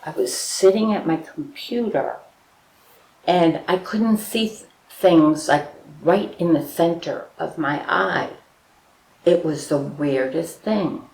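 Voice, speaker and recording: Low gravelly older woman in an echoey room. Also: slow, darkish tone. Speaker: interviewee. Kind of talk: documentary interview, recounting. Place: home living room, seated in armchair.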